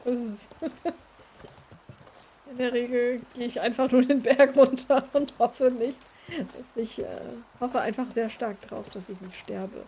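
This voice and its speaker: A woman's voice: a little high, slow pace, mellow, slight background noise. A woman streaming a game in casual chat, answering her chat and laughing often as she talks. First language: English. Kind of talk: casual chat while playing.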